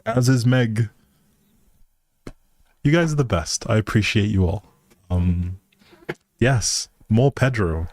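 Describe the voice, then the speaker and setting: A livestream host, male, plays a life simulation game and chats casually, appreciative and polite toward his viewers. He speaks slowly on the low side, pausing often, with a darkish tone and no echo. Music runs behind his voice.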